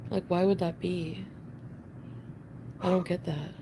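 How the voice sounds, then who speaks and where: A woman talks through her hurt in a rambling, filler-heavy way, with a lowish voice. Her tone is dark and relaxed, and fry runs through it. A faint noise sits underneath. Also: takes it slowly. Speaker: vlogger in a played clip.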